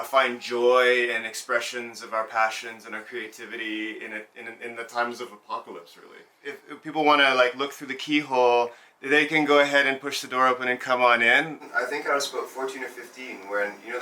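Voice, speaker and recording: Born in Zambia and working in burlesque and cabaret, this man speaks reflectively in a documentary interview, often breaking off and restarting as he looks for words. His medium-pitched voice is steady, brisk, pushed and bright, picked up by a distant mic.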